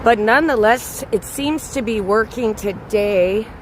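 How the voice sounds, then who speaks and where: A slightly hoarse woman chatting with her viewers as she walks a city bridge at night, greeting them by name. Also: a little high, a little slow. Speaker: livestream host. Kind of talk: live walking vlog chatting with viewers. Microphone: handheld camera on a gimbal. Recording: outdoor street recording with clear traffic noise. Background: traffic noise.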